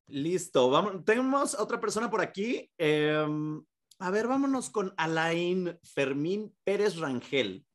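A man's voice: high-pitched, big pitch swings, slow. A man co-hosting a live podcast, chatting in a playful, self-mocking way. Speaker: podcast co-host.

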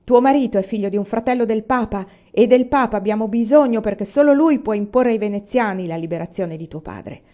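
Woman reading a peremptory noble mother, loud and scolding, warm low tone, dull recording. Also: lightly acted. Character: stern, harried noblewoman mother.

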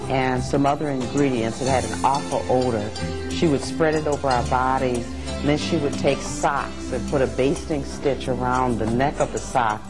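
A woman with an exceptionally deep voice recounts childhood remedies in a plain storytelling way. Loud music plays behind her the whole time. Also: fairly even intonation, moderate pace. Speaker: interviewee. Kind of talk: personal recollection.

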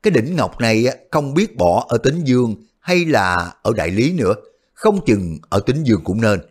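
A man playing a bold, crafty hero in an audio wuxia story. He feigns innocence with a teasing tone, his pitch lively. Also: moderate pace, breathy edge. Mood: mock-innocent.

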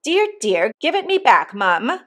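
A woman voicing a brisk, bossy nursemaid in a storybook, ordering the household about. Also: fairly high pitch, sing-song, fairly bright tone, heavily acted. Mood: brisk concern.

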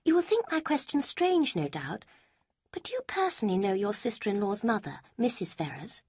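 A woman voicing a sly young woman who gushes secrets in a sweet, breathy way, with a husky tone. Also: medium pitch, sing-song, moderate pace, a little mellow, dry recording, studio quality, voice pushed up. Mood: confiding.

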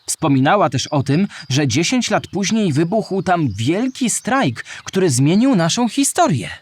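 An actor playing a curious young schoolboy who eagerly asks questions in a scripted children's audio drama. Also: male voice, high voice, big pitch swings, unhurried, breathy edge, no echo, heavily acted. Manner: inquisitive, eager. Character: Historyjek, curious young schoolboy asking about history.

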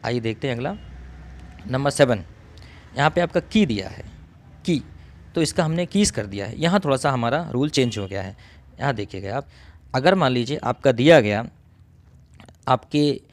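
A man's voice: mid-range voice, expressive, normal speed, pauses often. Man explaining grammar step by step. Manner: explains step by step, repeats himself, often clears his throat. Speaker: English grammar teacher. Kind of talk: recorded coaching lesson.

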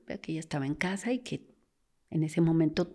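Woman, storytelling guest, low pitch, raspy fry. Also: expressive, a little fast, mellow. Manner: acts out quoted voices, drops to a whisper at times. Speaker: forensic doctor guest. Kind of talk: storytelling in conversation.

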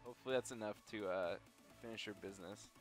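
A man's voice: fairly low pitch, fast talker, faint music behind. A man chatting casually and joking on a game stream. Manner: joking, offhand.

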